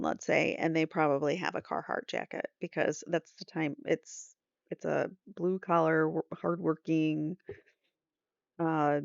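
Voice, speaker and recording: A woman's voice: fairly low pitch, gravelly, dry recording, dull audio. A middle-aged woman reading trial updates aloud as a host, adding casual explanatory asides as she goes.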